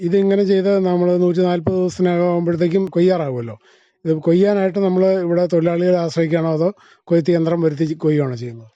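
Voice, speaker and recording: A male radio interviewer with a Kerala accent and a very soft, mellow tone. He talks fast and conversationally, often seeking confirmation. The sound is dry and slightly muffled. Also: high-pitched, no echo. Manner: inquisitive, often ends with confirming tag questions. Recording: dull, band-limited dry radio recording.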